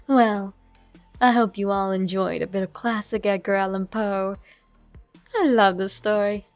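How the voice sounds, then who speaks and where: A woman reading a classic horror tale aloud in a slow, measured, darkly dramatic way. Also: mid-range voice, steady tone. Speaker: horror story narrator. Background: faint music.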